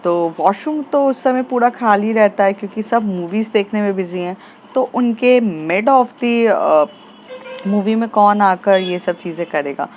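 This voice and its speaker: A woman's voice: mid-range voice, measured pace, muffled recording, a little hiss or hum. A woman casually narrating a romance story with chatty fillers.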